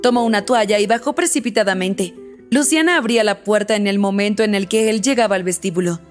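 A woman narrating a romance audiobook in a smooth, even storytelling manner. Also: medium pitch, quick pace, faint music behind.

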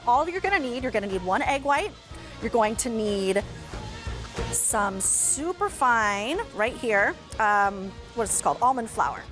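Female infomercial host, middle-aged, higher register, chatty live kitchen pitch with clear music underneath. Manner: chatty, self-deprecating, conversational. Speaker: shopping channel host. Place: TV studio kitchen set.

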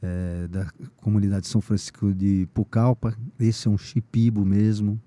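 Middle-aged male guest, warm relaxed voice, dry close sound, lively storyteller who acts out his own quotes. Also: lowish voice, normal speed, dry recording. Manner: lively, acts out his own past lines in a raised excited voice; informal, frequent slang fillers. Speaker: podcast guest, teacher of shamanism. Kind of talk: casual storytelling in a conversation.

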